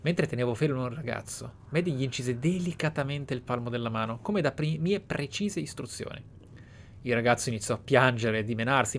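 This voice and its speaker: A man from Italy reading and commenting on a video game in a measured, musing way. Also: mid-range voice, a little hiss or hum. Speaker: gameplay streamer. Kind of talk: reading game texts aloud and roleplay commentary.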